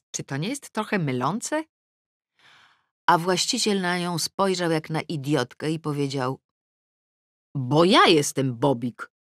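A middle-aged woman reading a novel aloud in the first person, with wry, lively comic timing. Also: low voice, dry recording, studio quality. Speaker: audiobook narrator. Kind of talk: first-person audiobook narration. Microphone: close studio mic.

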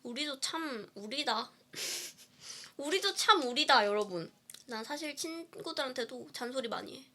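A woman's voice: high-pitched, lively intonation, measured pace, pushed and bright. A woman indie singer chatting casually on a livestream while eating, playful and giggly as she answers viewer comments. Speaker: indie singer live-streaming.

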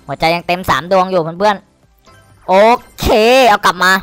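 A man giving excited, crude commentary while streaming a slot game, cursing and pleading at the screen. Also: sits high, a little slow, no room sound, faint music behind.

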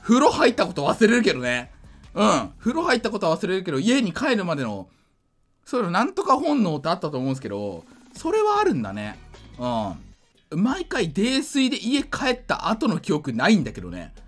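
A drunk man giving casual gameplay commentary, rambling, slightly slurred and excitable, often repeating himself. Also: high-pitched, brisk, soft background music. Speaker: gaming video creator.

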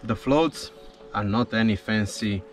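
A man's voice: on the low side, measured pace. A man in his thirties, an English speaker, explaining his spearfishing gear to the camera from a small boat out at sea, patient, with small grammar slips. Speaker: spearfishing vlogger. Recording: music underneath.

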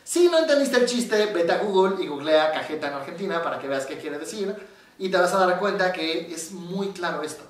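Heard from a distance in a heavily echoing room, a man with a high voice and a Mexican accent talks casually at a moderate pace. He's a psychologist explaining ideas, telling animated stories and performing the quoted voices himself, with his voice away from the mic.

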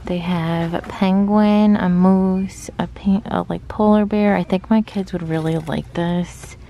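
A woman's voice: on the low side, fairly even intonation, measured pace, dark tone, lo-fi sound. A woman in her thirties chatting through a face mask as she browses shelves with her phone camera. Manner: chatty, musing aloud while browsing. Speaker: vlogger. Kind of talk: casual shop-with-me narration. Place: large store indoors. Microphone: handheld phone camera. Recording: noisy store ambience.

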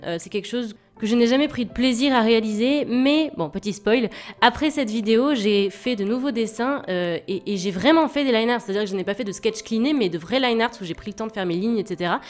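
A woman's voice: a little high, animated, brisk. A woman with a cold and a stuffy nose, chatting casually and hesitantly through a speedpaint voice-over as a digital illustrator. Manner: chatty and hesitant, many fillers and restarts. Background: faint background music.

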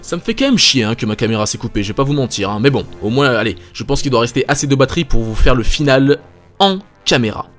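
A man giving excited gameplay commentary, hyped and swearing casually as he talks to his viewers. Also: medium pitch, quick pace, faint music behind. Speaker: gaming YouTuber. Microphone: facecam setup.

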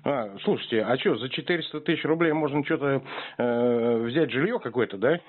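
A man's voice: medium pitch, fairly quick. A man in a casual phone chat, talking in a rambling, slangy, provocative manner. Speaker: prank caller answering a telemarketer. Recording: noisy tinny phone line with clicks.

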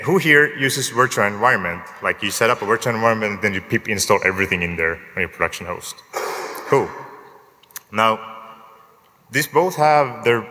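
A man speaks at a conference lectern, his fairly low voice bright and forward. He explains software in a relaxed way with the odd dry joke and quizzes the audience. The lectern microphone picks up the long reverb of a large hall. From Finland. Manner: relaxed, lightly joking, asks the audience show-of-hands questions. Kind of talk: technical conference talk.

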